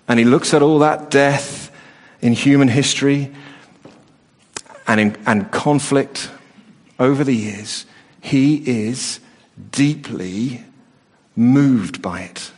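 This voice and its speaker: A middle-aged man preaching a sermon, earnest, often restarting and repeating words as he talks. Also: medium pitch. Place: church hall. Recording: long reverb of a hall.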